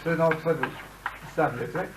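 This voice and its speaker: A man giving a history lecture in an oratorical, emphatic way, with pointed pauses and ironic asides. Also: on the high side. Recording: noisy old lecture recording with clicks.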